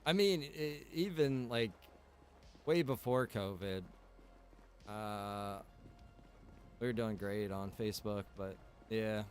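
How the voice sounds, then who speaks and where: A man's voice: lowish voice, slow, pauses often. A man streaming a game, chatting casually with viewers and thinking aloud in a rambling way. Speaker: game streamer and server operator. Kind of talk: casual livestream chat while gaming.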